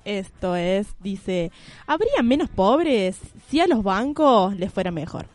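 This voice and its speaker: A woman's voice: medium pitch, very animated, takes it slowly, faint music behind. An Argentine woman co-hosting a radio show, reading news reports aloud in a mocking tone and breaking into laughter. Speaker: radio co-host.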